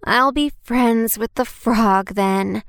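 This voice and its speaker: A woman's voice: a little high, slow pace, no echo, clean studio sound. A woman voicing a young, reluctant princess in a storybook reading, whiny and hesitant.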